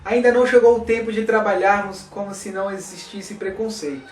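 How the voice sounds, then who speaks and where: A man reading a text aloud in a measured, formal way. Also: high voice, fairly even intonation, roomy sound, distant mic, a little hiss or hum. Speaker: reader.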